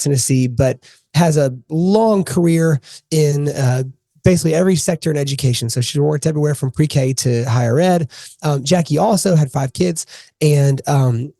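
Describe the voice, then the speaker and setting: A man's voice: fairly high pitch, mellow, no echo, clean studio sound. Slightly sick male podcast host. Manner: chatty, with frequent fillers and jokes. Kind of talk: conversational podcast hosting. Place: podcast studio in Memphis.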